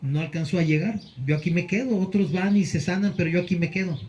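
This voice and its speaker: A man's voice: high voice, fast talker, darkish tone, natural voice. A man voicing a resigned paralyzed man in a sermon, weary and plaintive.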